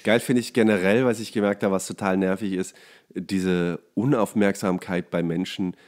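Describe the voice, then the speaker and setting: A man's voice: deep voice, moderate pace. A man hosting a podcast in casual comic chat, telling anecdotes and acting out little quotes as he goes. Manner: animated storyteller, acts out short quotes. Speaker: podcast host.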